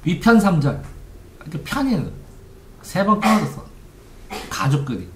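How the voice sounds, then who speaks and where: Lively man lecturing in an echoey room. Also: high-pitched, normal speed, a little hiss or hum. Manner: lively, rhetorical questions to listeners. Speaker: study coach. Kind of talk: informal lecture on study methods.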